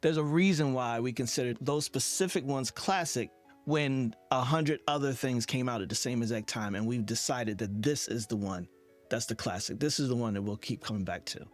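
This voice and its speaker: A man's voice: mid-range voice, moderate pace, faint music behind. A man hosting a podcast interview in a conversational, affirming and reflective way.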